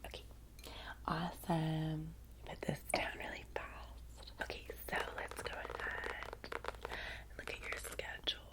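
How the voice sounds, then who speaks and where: A woman with a Valley girl American accent softly whispers an ASMR roleplay as a vampire's chatty, soothing personal assistant. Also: low-pitched, monotone, unhurried, rough recording. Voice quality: soft, breathy whisper. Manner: casual, chatty Valley girl phrasing with many "like"s. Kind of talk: ASMR roleplay, soft-spoken personal attention.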